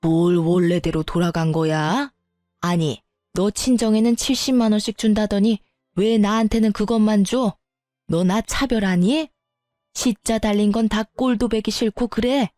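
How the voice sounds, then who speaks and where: A woman voicing a greedy, demanding older mother-in-law who scolds harshly, with a lowered voice. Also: a little slow, mellow, no room sound, studio quality, soft background music, lightly acted. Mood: nagging.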